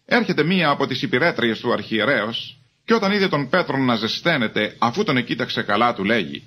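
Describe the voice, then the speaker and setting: A man's voice: medium pitch, big pitch swings, sharp tone, husky. Man reading scripture aloud. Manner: measured, formal reading. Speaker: Bible reader.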